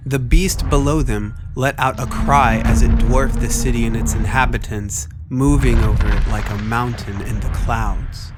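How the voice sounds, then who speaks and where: A man's voice: mid-range voice, steady tone, a little slow, few pauses. A man reading scripted, dramatic story narration as the narrator. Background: prominent music.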